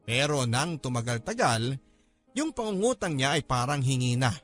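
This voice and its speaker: A man narrating a first-person letter as a radio story host, earnest, measured and expressive. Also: mid-range voice. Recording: music bed behind narration.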